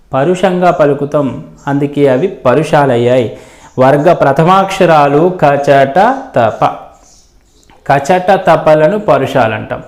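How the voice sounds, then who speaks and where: A man's voice: fairly high pitch, darkish tone, reverberant. A male teacher explaining grammar in a lesson, repeating terms and examples and answering his own questions. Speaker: Telugu teacher.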